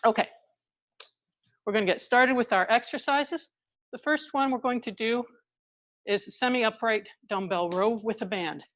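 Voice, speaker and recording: A woman leading an exercise class through a face mask, talking calmly step by step as she demonstrates each move. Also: a little high, no echo. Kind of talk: live exercise instruction, demonstrating while explaining. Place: indoors in a hospital building.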